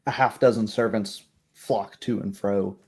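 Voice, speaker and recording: A man's voice: fairly low pitch, steady tone, unhurried, darkish tone, husky. A man narrating a tabletop roleplaying game as the game master.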